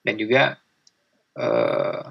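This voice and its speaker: A young man with a gravelly, husky voice chats loosely, full of fillers and little acted-out greetings. His tone is rough and not clear, and he is easygoing and talkative. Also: fairly low pitch, sing-song, extremely slow, dull audio. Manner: chatty, many fillers, acts out greetings. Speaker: guest. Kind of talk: casual chat.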